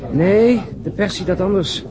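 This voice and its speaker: An actor playing a coarse, wisecracking police detective in a radio crime drama, grumbling and mocking in a blunt way. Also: male voice, sits high, a little slow, a crowd in the background. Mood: sardonic, grumbling.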